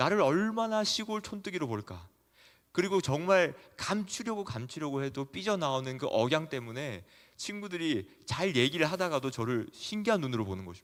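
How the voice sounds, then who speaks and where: A man's fairly high voice rises and falls in very wide pitch swings as he talks at a moderate pace. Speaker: pastor. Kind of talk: sermon.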